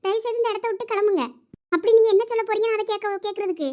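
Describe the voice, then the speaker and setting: A woman's voice: extremely high pitch, racing, darkish tone, highs cut off. A woman voicing a sulky, hurt young wife with a Thoothukudi Tamil accent in a cartoon, reproachful and insistent. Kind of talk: cartoon voice acting.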